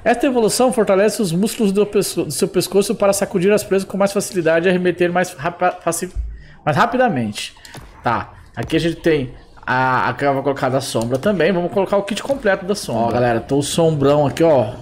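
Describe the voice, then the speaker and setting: A man doing excitable gameplay commentary, often exclaiming to his audience. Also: high voice, quick pace, a little hiss or hum. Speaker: gameplay streamer.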